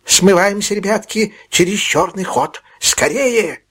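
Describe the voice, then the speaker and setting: A man's voice: a little high, big pitch swings, drawn-out words, fairly bright tone, husky, pitched above the performer's own voice, full character voice. A man voicing a frantic, miserly old male fence who cries out in panic. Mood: panicked.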